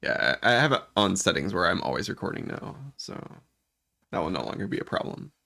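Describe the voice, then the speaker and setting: A man with a deep, gravelly voice, rough and worn from being sick. He rambles through card rankings for his channel, stopping and restarting his sentences. His pitch still swings widely as he talks. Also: big pitch swings, brisk, bright, forceful tone. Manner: rambling, restarts often, thinks aloud. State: voice worn from illness, occasional coughs. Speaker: gaming YouTuber. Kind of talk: casual commentary while ranking game cards.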